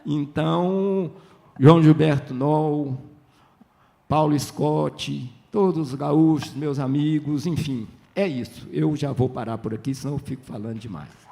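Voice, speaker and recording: A man's voice: a little high, a little slow, vocal fry. An older man from Minas Gerais, telling chatty stories as a writer on a literary festival panel, often acting out dialogue. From Minas Gerais, Brazil. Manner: lively, chatty, tag questions, acts out dialogue.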